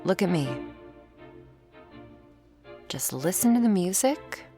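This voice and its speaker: A woman's voice: medium pitch, sing-song, slow, mellow. A woman performing an ASMR roleplay as a commanding, teasing werewolf hunter who instructs the listener. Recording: faint string music behind.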